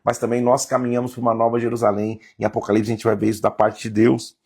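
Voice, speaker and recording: A man's voice: medium pitch, monotone, fast talker, a little mellow, husky. A man reading Bible passages aloud and explaining them in a casual, conversational way. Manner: reads verses aloud, then comments in a casual tone. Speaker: Bible teacher.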